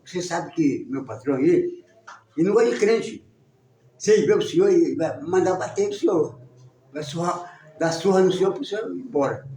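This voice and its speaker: A man's voice: sits high, animated, moderate pace, warm tone, slight background noise. A man voicing a ranch foreman who warns a preacher he will be beaten, recorded in a roomy space from a distant mic. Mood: warning. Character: menacing male ranch foreman.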